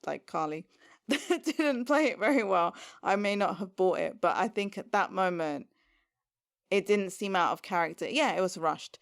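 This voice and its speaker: A woman co-hosting a podcast, recapping a TV episode in casual chat, animated and sarcastic with frequent laughs. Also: medium pitch, normal speed. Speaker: podcast co-host.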